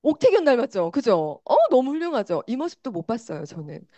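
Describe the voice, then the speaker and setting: A woman giving a motivational sales seminar talk, animated and constantly turning to the audience with rhetorical questions. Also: a little high, a little fast, dry recording, highs cut off. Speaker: business seminar presenter.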